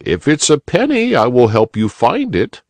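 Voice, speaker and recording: A man voicing a polite, kind old rabbit gentleman in a gentle, fussy way. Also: mid-range voice, wildly swooping pitch, normal speed, dry recording, pitched above the performer's own voice. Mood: kindly.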